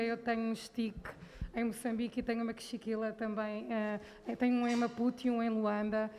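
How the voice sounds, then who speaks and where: Woman from Angola, audience comment, earnest, fairly high, flat pitch, long hall reverb. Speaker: audience member. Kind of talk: comment from the floor.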